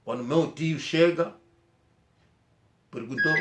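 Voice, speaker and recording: Angolan man whose first language is Kikongo, slightly high voice, halting vlog storytelling, echoey room. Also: very noisy. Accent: Angolan Portuguese. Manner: rambling, halting, with frequent restarts. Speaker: vlogger. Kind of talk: personal storytelling to camera.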